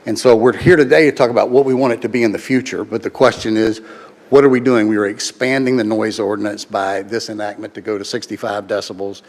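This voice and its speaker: A man giving a formal, argumentative public comment at a meeting in a measured, lawyerly way. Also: lowish voice, steady tone, a little mellow. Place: public meeting room, speaking at a microphone.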